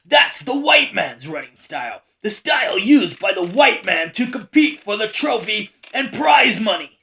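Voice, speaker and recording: An amateur actor voicing a furious tribal horseman with outraged, incredulous yelling in an anime fan dub. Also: high-pitched, big pitch swings, a little slow, vocal fry, full character voice. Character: furious tribal horseman hunting an outcast tribesman.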